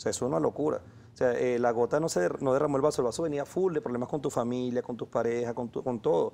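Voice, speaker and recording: Very fast speech from a man with a dark, mellow tone and ordinary pitch variation. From Venezuela, Trujillo state (Andes). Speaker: cardiologist; guest. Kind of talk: TV health interview. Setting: TV studio. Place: studio. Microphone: lapel.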